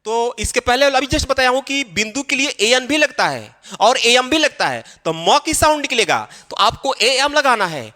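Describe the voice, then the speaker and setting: Guy teaching little kids spelling, high voice, goes up and down a lot, lots of repeating, echoey room. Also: big pitch swings, sharp tone. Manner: explains slowly and repeats himself, addressing children. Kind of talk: classroom-style spelling lesson.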